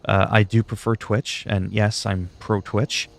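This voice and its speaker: A man's voice: on the low side, flat delivery, unhurried, creaky. A man from Canada whose first language is French, chatting casually on a livestream in a self-deprecating, salty, freely swearing way. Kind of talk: casual rambling livestream chat.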